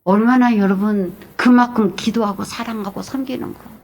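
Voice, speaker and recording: A middle-aged woman pastor preaching an animated sermon, moving between loud exclamations and hushed, whispered asides. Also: mid-range voice, moderate pace.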